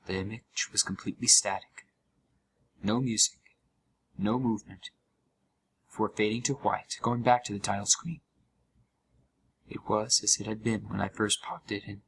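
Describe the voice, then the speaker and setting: A man playing a haunted gamer, narrating a scripted horror story with deliberate, dramatic pauses full of dread. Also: lowish voice, steady tone, fairly bright tone, a little hiss or hum, rough recording. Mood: stunned dread.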